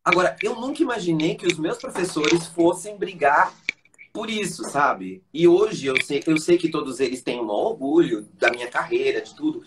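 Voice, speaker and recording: Guesting on a live-stream interview, a voice teacher and conductor with a voice on the high side recounts stories, with background noise audible. He's animated, mimicking the voices of the people he quotes.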